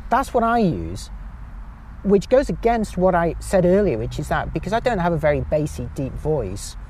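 Man, high-pitched, talkative, dry self-mockery, faint traffic noise. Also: sing-song, normal speed, a little mellow, poor audio. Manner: self-mocking, chatty, explains at length. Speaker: podcast guest. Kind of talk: casual chat.

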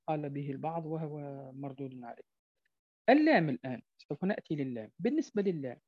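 A man teaching a tajweed lesson. He draws example words out slowly and keeps checking that his listeners follow. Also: a little high, no room sound. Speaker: Quran recitation teacher. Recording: dull, dry lo-fi recording.

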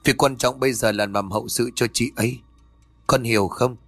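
A man voicing a gentle older uncle who comforts a grieving girl in a fatherly way. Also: medium pitch, steady tone, brisk, dry recording, soft background music. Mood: soothing. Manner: soothing, fatherly.

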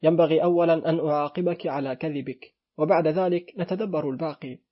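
A man voicing a hypochondriac old father who scolds his little daughter, with a husky voice. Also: on the high side, steady tone, fast talker, natural voice. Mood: angry. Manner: stern scolding, then loud wailing grief. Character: fussy hypochondriac old father, quick-tempered. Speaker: audiobook reader voicing a character. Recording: dull lo-fi recording.

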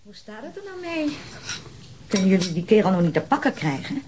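A woman's voice: medium pitch, big pitch swings, a little fast, background noise, close to an everyday voice. An actress playing a fussy, chiding middle-aged housewife and mother in a naturalistic radio drama. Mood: fretful.

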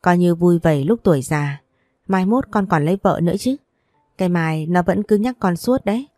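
A fussing older grandmother, as a woman narrator plays her talks in a low, mellow voice. She dotes on the child and nags her son, read close and dry for a storybook. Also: normal speed, no room sound, close to an everyday voice. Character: older countrywoman, warm grandmother.

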